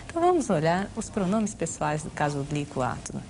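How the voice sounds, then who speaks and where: A woman's voice: low-pitched, sing-song, brisk, darkish tone, a little hiss or hum. A woman with a Brazilian accent teaching a grammar video lesson, explaining patiently and asking rhetorical questions. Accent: Brazilian Portuguese. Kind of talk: video lesson for exam prep.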